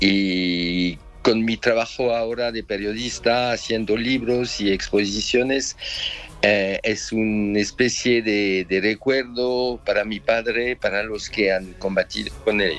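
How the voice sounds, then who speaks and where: A man with a French accent at a very slow pace, his intonation fairly even, over noticeable background noise. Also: medium pitch for a man. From France. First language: French (speaking Spanish). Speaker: journalist and exhibition curator. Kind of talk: radio interview. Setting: remote call from Paris. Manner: halting.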